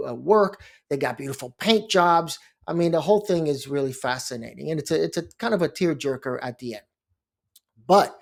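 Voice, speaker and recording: A middle-aged man from Miami, a lawyer, talking casually in a rambling monologue with asides and restarts. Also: fairly high pitch. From Miami, Florida. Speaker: bankruptcy lawyer and blog host.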